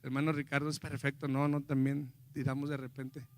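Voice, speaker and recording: An older man from Mexico, a pastor telling a family testimony in a sermon, acting out quotes and swinging from quiet asides to loud exclamations. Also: mid-range voice, flat delivery, brisk.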